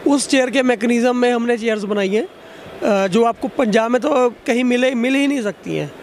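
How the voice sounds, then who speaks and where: A middle-aged man with a Punjabi accent, his voice pitched unusually high for a man. He answers in plain, halting phrases full of fillers. Faint background noise from an expo hall sits under the voice. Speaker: company owner interviewed. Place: busy indoor expo stand. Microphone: reporter's handheld mic.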